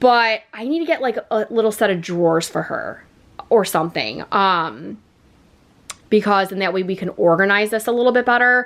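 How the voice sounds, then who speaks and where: A woman's medium-pitched voice, with ordinary pitch variation, proceeds at a moderate pace. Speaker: stay-at-home mom vlogger. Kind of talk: casual vlog narration. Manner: hesitant, many fillers.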